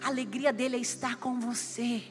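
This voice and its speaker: A Brazilian woman pastor preaching a sermon in an animated way, her voice at times rising to shouts. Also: a little high, a little fast. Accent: Brazilian Portuguese. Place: church or conference hall. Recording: reverberant hall with faint music.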